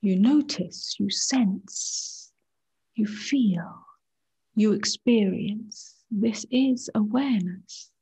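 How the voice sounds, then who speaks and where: A woman meditation teacher guiding a practice in a soft, hushed voice that often nears a whisper, with short unhurried phrases. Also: medium pitch, breathy edge, rough recording. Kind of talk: guided meditation, slow and gentle with long pauses.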